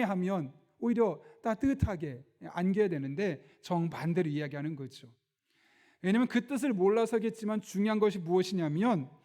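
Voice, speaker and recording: A man's voice: high voice, warm tone. A middle-aged man, a pastor, giving church announcements, praying and preaching a sermon, acting out the lines he quotes. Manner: storytelling, acts out quoted speech.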